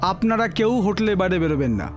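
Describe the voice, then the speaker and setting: An actor playing a deferential, flustered subordinate in a film melodrama, obedient and hurried as he reports. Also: sits high, big pitch swings, over music. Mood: announcing. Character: flustered, deferential hotel employee or junior subordinate. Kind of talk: Bengali film melodrama acting.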